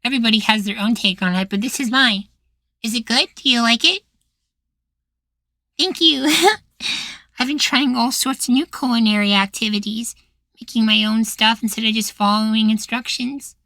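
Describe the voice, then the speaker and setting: A man voicing a cheerful, naive young boywife in an intimate ASMR roleplay, soft, doting and chatty. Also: very high-pitched, normal speed, long pauses, dry recording, heavily acted. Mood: affectionate.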